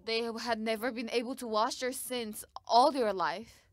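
A woman's voice: on the high side, measured pace, no room sound. A woman giving live interpretation of a sermon, speaking in short bursts with frequent restarts.

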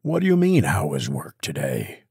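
Man as a husky, grumbling working stiff. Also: a bass voice, normal speed, no room sound, clean studio sound, voice pushed down, full character voice. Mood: weary, irritated. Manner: deadpan, grumbling. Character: weary deadpan working man fed up with routine.

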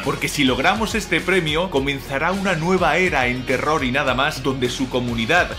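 A man with a fairly high voice reads a scripted promotional announcement for a podcast. He speaks directly and persuasively to listeners, with clear music behind him.

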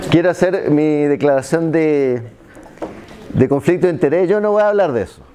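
At normal speed and in a slightly high voice, a middle-aged Chilean man gives a conversational lecture to seated university students in a seminar room with a projector, with a crowd audible in the background. He asks "¿ya?" after nearly every point and makes self-deprecating asides. A handheld mic is used, and a far camera does the filming.

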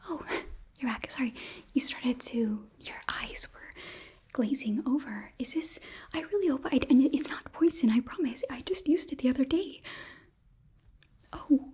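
A young woman playing a cheerful, nurturing demon princess hotelkeeper in a whispered ASMR roleplay, breathy, gentle and halting, close to the mic. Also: high voice, heavily acted. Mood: concerned, soothing. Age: young adult. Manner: gentle, bubbly, halting, reassuring. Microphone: close microphone, facing camera.

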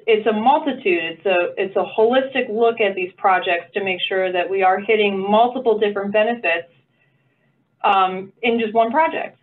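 Woman on a tinny video call. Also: medium pitch. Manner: upbeat, encouraging, playful asides. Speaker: meeting facilitator. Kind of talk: online meeting facilitation. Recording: phone-like video call audio.

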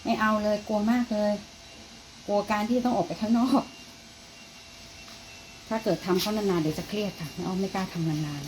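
A woman's voice: fairly quick, long pauses, darkish tone. Chatty woman coaxing her pets. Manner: chatty, coaxing, switches to high doting baby talk with the animals. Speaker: pet owner filming her animals. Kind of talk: casual pet vlog narration. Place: at home, around the house and yard. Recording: background noise with passing vehicles.

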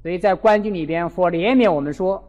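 A man giving a Buddhist dharma talk as a lively storytelling sermon, acting out the people in his stories. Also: sits high, brisk, dull audio. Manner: animated, acts out quoted characters. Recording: long hall reverb.

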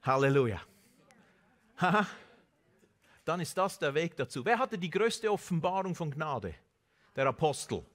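Animated preaching man, slightly high voice. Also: unhurried, long pauses. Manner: animated preaching with Amen and Hallelujah interjections, mixing in English words. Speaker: pastor. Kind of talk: sermon. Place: large church stage. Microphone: headset mic.

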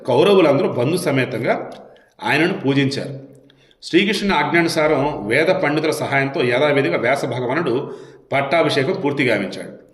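Male devotional storyteller, slightly high voice, steady reading with chatty asides, echoey room. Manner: measured reading with colloquial asides and self-corrections. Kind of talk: retelling an epic in episodes. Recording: roomy echo.

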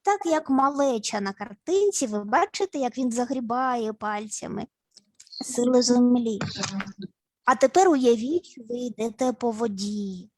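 High-voiced woman guiding body exercises. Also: lively intonation, a little mellow, no echo. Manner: slow instructive, repeating words and playful sounds. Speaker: family and child psychologist. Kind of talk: guided grounding exercises in an online session. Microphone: video call.

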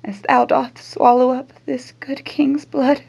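A woman's voice: high-pitched, level tone, a little slow, gravelly, darkish tone, slightly rough, exaggerated voice. A woman playing a bitter Shakespearean noblewoman in a declamatory classical stage monologue. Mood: bitter, vengeful. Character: solemn Shakespearean noblewoman cursing a killer.

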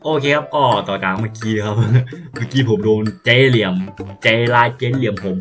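A young man commentating as he plays a visual novel, excitable and swearing, sometimes stumbling over words. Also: medium pitch, a little fast, faint music behind. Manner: excitable, yelps and swears at scares; reads game lines aloud, stammering. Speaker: gameplay streamer. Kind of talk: casual let's-play commentary.

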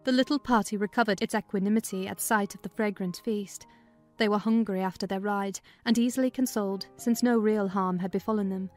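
A woman's voice: medium pitch, fairly even intonation, a little fast, a little mellow, faint music behind. A woman narrating a classic novel as a dramatized audiobook.

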